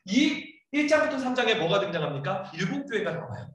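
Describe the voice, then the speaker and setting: A man's voice: high-pitched, very animated, fairly quick. A man preaching a sermon as pastor, often putting questions to the congregation and acting out scolding lines in a raised voice. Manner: keeps asking the congregation questions. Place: church sanctuary. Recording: echoey church hall, mic far off.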